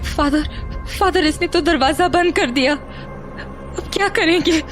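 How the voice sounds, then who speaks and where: A woman's voice: very high voice, takes it slowly. An actress playing a frightened young woman crying out in panic in a horror audio drama. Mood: panicked. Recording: loud music and noisy commotion behind.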